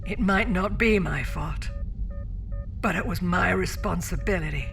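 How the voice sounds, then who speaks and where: A woman playing a resolute, weary, self-sacrificing starship captain in a science-fiction audio drama, with halting, measured delivery. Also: lowish voice, vocal fry. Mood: resigned, dutiful. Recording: loud music bed under the voice. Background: music.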